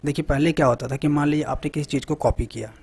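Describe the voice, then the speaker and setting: A man hosting a tech tutorial, talking casually through a software demo and often checking in with the viewer. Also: fairly high pitch, fairly even intonation, fast, creaky, a little hiss or hum. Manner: conversational, repeats "theek hai" often. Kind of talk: screen-recorded software walkthrough.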